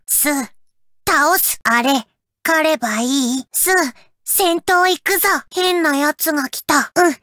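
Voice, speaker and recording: A small wild hunter girl for a game, eager and blunt, speaking in short clipped phrases and naming herself instead of saying "I". Her voice sits extremely high and sounds very bright, recorded dry and close. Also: slow, dry recording. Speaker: voice actor. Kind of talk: game voice clips.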